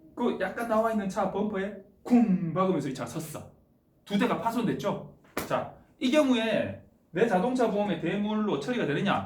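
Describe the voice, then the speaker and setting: Audible room echo surrounds a man who speaks at a high pitch and a moderate pace with ordinary pitch variation. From Gyeongsang region, South Korea. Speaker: insurance agent. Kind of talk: casual explainer talk. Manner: conversational, with fillers.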